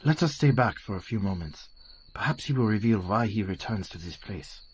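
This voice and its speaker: Guy voicing a stern doctor, grave and urgent, kinda husky. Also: on the low side, expressive, moderate pace. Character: older male doctor, commanding, stern. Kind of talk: radio play acting.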